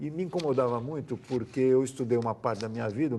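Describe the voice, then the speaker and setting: A man speaks at a fairly quick pace. His medium pitch carries ordinary variation. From Santos, São Paulo state, Brazil. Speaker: city councillor and dentist. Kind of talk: interview.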